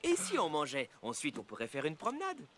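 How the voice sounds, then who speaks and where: A man's voice: a little high, huge pitch swings, brisk. An actor playing a patient, cheerful cartoon father who reassures his son. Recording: clear music underneath.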